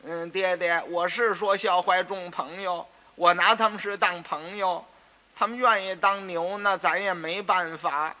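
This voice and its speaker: A man doing a sly clever little schoolboy, soft innocent tone, muffled radio sound, long reverb. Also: high voice, fairly even intonation, measured pace. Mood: innocently sly. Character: clever, cheeky nine-year-old schoolboy.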